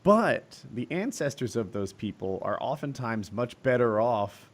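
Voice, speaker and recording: Casual podcast host, rambling and hesitant, very lively pitch. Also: male voice, measured pace. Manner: rambling, hesitant, many restarts.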